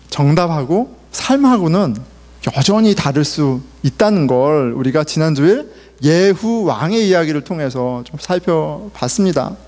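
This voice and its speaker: A man's voice: a little high, darkish tone, long reverb tail. A male pastor in his forties preaching a sermon in a conversational way, asking the congregation questions and telling family stories. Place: church sanctuary.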